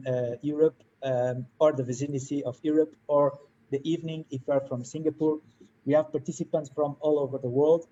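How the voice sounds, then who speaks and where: A man's voice: medium pitch, warm tone. Hesitant man hosting a video call. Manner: hesitant, many fillers, polite. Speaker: workshop host. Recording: dull lo-fi call audio with faint hiss.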